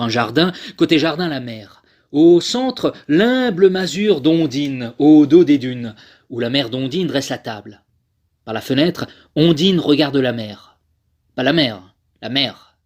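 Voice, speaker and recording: A man, a voice actor, delivering scripted narration in a theatrical, measured manner. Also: mid-range voice, expressive, a little mellow. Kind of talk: scripted dramatic narration for a demo reel.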